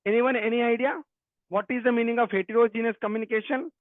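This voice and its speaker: A very high-pitched man talks fast with fairly even intonation as he teaches programming in an interactive online lecture. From Telangana, he speaks Telugu natively and has a Telugu Indian English accent, and he often repeats phrases and questions while addressing students. The recording is dry and narrow, like a phone.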